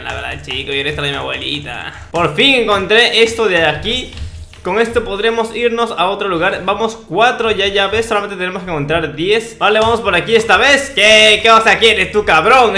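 A man's voice: high voice, a little fast, pushed and bright. A young man giving casual gameplay commentary in a playful, mock-boastful, slangy way. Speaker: gaming video host. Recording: roomy echo, faint noise, clicks.

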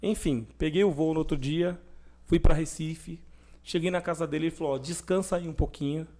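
A young adult man speaking as a podcast guest, his voice sitting a little high for a man. He tells his story with energy and plays out the lines of the people in it as he goes. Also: moderate pace. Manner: animated testimony, acting out quoted dialogue. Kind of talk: conversational storytelling.

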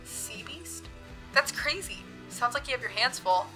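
A woman acts an eager young female cub reporter in a fiction podcast. Her voice is bright and fairly high. She comes across as chatty but self-conscious and hesitant, over soft background music. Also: animated, measured pace, poor audio. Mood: excited, friendly. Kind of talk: audio drama dialogue.

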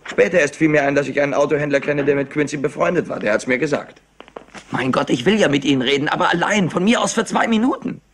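A man playing a clever, scheming young nephew in a German-dubbed crime drama, excitable and theatrical. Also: on the high side, fast talker, a little hiss or hum, natural voice. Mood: indignant, pleading.

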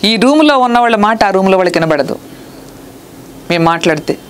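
A woman with a Telugu accent preaching a sermon, earnest and scolding, reading scripture slowly. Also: medium pitch, animated, slight background noise.

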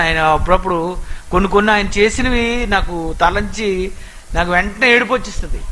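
A man preaching a sermon with an animated manner, asking his listeners question after question. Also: high voice, a little hiss or hum, poor audio.

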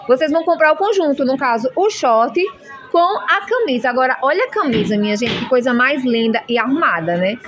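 A high-pitched woman talks in a chatty, gushing way as she shows off children's clothes in a shop. She fills her talk with warm asides to her viewers and sounds excited about every piece. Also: brisk, slight background noise. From Brazil. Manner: gushing, chatty, constant "minha gente". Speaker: shopping vlogger. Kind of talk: enthusiastic product showcase. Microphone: handheld phone camera.

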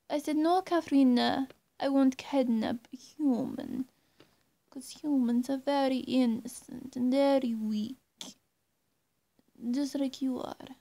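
A young adult woman plays a coy vampire in roleplay aimed at the listener, her voice high, slow, dark in tone and coaxing. She records in a small, bright indoor bedroom on a camera mic at arm's length or closer.

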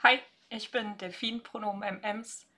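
Bright-voiced young woman podcaster. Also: mid-range voice, steady tone, normal speed. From North Rhine-Westphalia, Germany. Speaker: podcast co-host. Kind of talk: casual podcast discussion.

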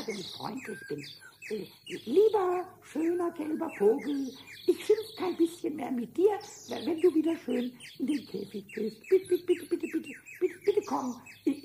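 A man voicing a small, cheeky, impulsive kobold in a children's radio play, squeaky and stammering with repeated words. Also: gravelly, mellow, exaggerated voice. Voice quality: squeaky, high-pitched. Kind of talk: 1970s German children's radio play acting. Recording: noisy old vinyl radio-play recording.

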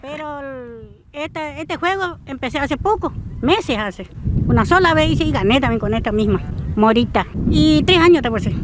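Woman, middle-aged, Chaco Argentine accent, halting plain speech, noisy outdoor field recording. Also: high voice, expressive. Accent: Chaco Argentine Spanish. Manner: plain-spoken, halting, with hesitations. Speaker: rider and municipal waste collector. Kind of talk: outdoor street interview. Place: open grass field outdoors. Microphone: handheld reporter mic.

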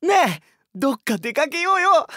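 A man's voice: very high-pitched, big pitch swings, normal speed, a bit bright, no room sound, clean studio sound, exaggerated voice. A man voicing a cheerful, boastful young boy, bouncy and eager, anime-style. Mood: excited. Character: cheerful, excitable boy bragging about basketball. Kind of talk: anime-style dramatic acting.

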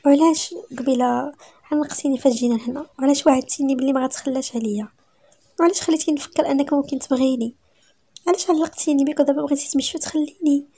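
A woman with a Moroccan accent voicing a desperate, lovesick young wife in a husky voice. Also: on the high side, racing, mellow. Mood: pleading.

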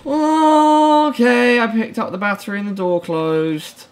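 A man's voice: high-pitched, normal speed, fairly bright tone. A young man giving scared, reactive horror game commentary, nervously pleading and repeating himself, often with dry jokes. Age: young adult. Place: small home room.

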